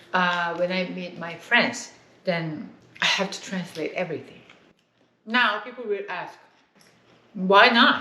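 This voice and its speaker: A woman at a fairly slow pace, long and frequent pauses, ordinary pitch variation and audible room echo. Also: medium pitch for a woman, big swings in loudness. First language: Korean. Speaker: YouTuber, half of a married couple. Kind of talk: casual chat.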